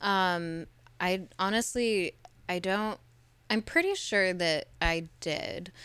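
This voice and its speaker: Speaking at a very slow pace, a woman with an American accent has a medium pitch, fairly even intonation and a bright, sharp tone. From US Southwest, Arizona. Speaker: adult performer. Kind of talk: casual chat.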